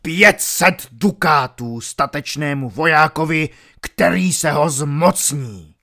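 A man reading an audiobook, voicing a furious, impatient Norman baron who barks his orders. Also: a little high. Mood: roaring. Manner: barking, loud and angry.

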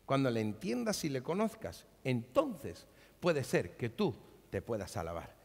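A male pastor preaching a sermon in a church, animated and dramatic, acting out scenes as he speaks. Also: mid-range voice, a little slow, gravelly. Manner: animated preaching, acts out biblical dialogue. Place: church hall. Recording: long reverb of a large hall.

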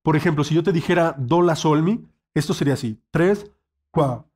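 A man leads an online saxophone lesson. His voice sits a little high, and he speaks patiently, checking in often with the student. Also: quick pace, a little mellow. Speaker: saxophone teacher.

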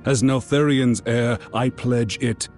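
An actor playing a proud, mature black dragon heir in a fantasy game, formal and commanding. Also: male voice, medium pitch, steady tone, slow, a little mellow, faint music behind, lightly acted. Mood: dignified. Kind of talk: fantasy game cutscene acting.

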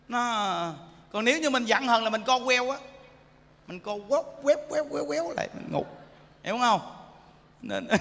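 A man giving an animated sermon as a Buddhist monk, teasing the audience and often asking them if they understand. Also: very high-pitched. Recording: echoey hall.

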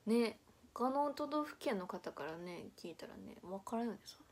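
A woman's voice: a little high, expressive, normal speed, darkish tone, a little hiss or hum. A young woman from Nara with a Kansai accent, chatting casually on a livestream and reading viewer comments aloud with frequent laughter. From Nara, Japan. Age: young adult. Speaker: idol livestream host.

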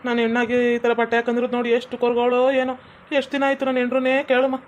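A woman's voice: on the high side, flat delivery, very fast, muffled recording, close to an everyday voice. A woman playing a sulky husband now living as a woman, muttering and snapping.

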